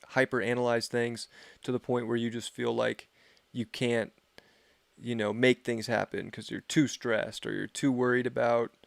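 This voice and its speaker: A man's voice: mid-range voice, creaky, no echo. A man giving a casual, rambling astrology forecast on a livestream, his voice wearing thin. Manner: rambling, filler-heavy, laid-back. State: losing his voice. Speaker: astrology reader.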